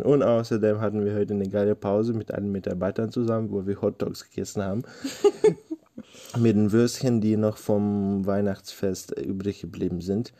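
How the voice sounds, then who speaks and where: A man's voice: fairly low pitch, gravelly, dark tone. A young man from Ukraine, a guest on a casual podcast, talking hesitantly with many fillers late at night from bed. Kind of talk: casual chat.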